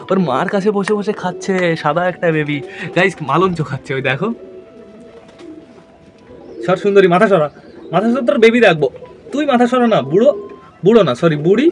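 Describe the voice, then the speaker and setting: A high-pitched man with a lilt talks quickly and chattily, addressing his viewers as he films his pigeons on a rooftop. He coaxes the birds now and then. Faint cooing sits under his voice. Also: a bit bright, a little hiss or hum. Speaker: pet pigeon vlogger. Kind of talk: casual vlog commentary to viewers.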